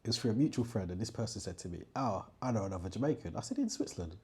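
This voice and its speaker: Husky British-born man, relaxed chat. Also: lowish voice, very fast. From United Kingdom. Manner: relaxed, many "yeah"s, acts out quoted voices. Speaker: podcast co-host. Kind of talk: casual chat. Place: indoor podcast studio.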